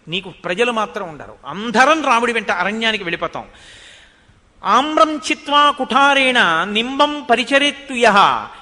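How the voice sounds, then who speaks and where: A man's voice: high-pitched, a bit bright. A man voicing an angry old royal minister who scolds a queen and chants verses. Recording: long hall reverb.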